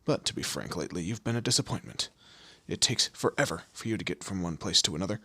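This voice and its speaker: A man playing a commanding, teasing demon lord in an audio roleplay, with a low gravelly, husky voice and an imperious, theatrical manner. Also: lively intonation, fast talker, bright, forceful tone, no room sound, full character voice. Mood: stern, threatening. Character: male demon lord, commanding, menacing, teasing boss of hell. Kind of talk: scripted audio roleplay addressed to the listener.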